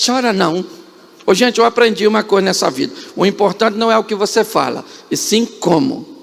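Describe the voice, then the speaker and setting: A man's voice: high voice, creaky, fairly bright tone. A male pastor with a Brazilian Portuguese accent preaching a humorous, dramatic sermon in a church, quizzing the congregation with repeated questions. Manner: dramatic storytelling with sudden rises and drops.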